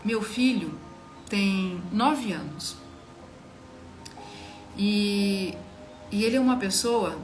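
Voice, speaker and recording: Speaking straight to the listener, a thirty-something Brazilian-accented woman gives a devotional teaching that is earnest and emphatic, in a medium-pitched voice.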